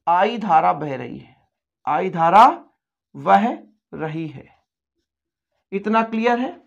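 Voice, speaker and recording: A man teaching physics to school pupils, coaxing and repeating himself, now and then slowly dictating notes word by word. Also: high-pitched, highs cut off. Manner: repetitive, coaxing, addresses pupils as dear children. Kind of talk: Hindi-medium classroom lecture at a board.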